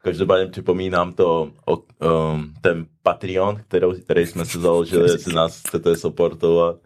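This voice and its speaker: A man's voice: sits low, little pitch movement, a little mellow. A young man co-hosting a casual podcast, telling stories in a laid-back way and dropping English slang. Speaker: podcast co-host. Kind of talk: casual chat.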